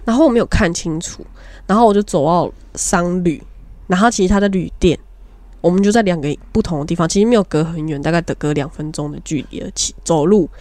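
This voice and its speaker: A woman's voice: on the low side, fast talker, dry recording. Young woman telling a frank story. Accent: Taiwanese Mandarin. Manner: animated storytelling, frank and laughing. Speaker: podcast co-host. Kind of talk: casual chat.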